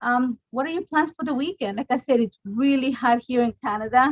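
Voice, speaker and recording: A woman speaks at a high pitch and a moderate pace. The sound is dry and close, with no echo. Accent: Spanish. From Ecuador. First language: Spanish. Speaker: craft instructor. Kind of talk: live craft tutorial. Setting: live stream. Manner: casual, chatty.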